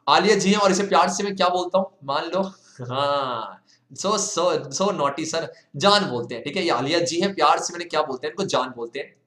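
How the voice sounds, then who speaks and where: Bright, high-voiced male teacher, echoey room. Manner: animated, coaxing, mixes English into Hindi. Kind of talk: exam solution lesson.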